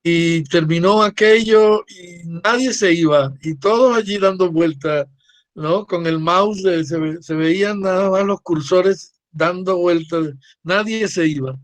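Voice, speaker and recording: A man with a fairly high voice speaks slowly and haltingly, filling pauses as he recalls things on a video call. The sound is dry and close. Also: no echo. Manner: slow, hesitant, many fillers. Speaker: writer guest. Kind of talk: casual video-call chat.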